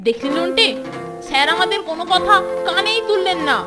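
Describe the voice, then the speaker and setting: A young cartoon schoolboy, the grumbling, eager sidekick. The voice is extremely high and childlike, with music clearly audible behind it. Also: female voice, lively intonation, fairly quick. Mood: aggrieved. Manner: exclamatory, childlike cartoon delivery. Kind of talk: Bengali children's cartoon dubbing.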